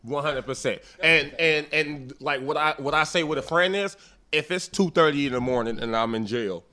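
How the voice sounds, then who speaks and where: A man's voice: fairly high pitch, moderate pace, bright, forceful tone. A man in his twenties, an artist's manager, talking casually in a laid-back, slangy way. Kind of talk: casual conversation.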